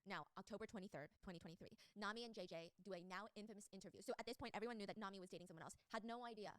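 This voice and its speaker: A young woman retelling a true scandal story to a co-host, animated and sarcastic, swearing freely. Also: medium pitch, racing, no echo. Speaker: storyteller YouTuber.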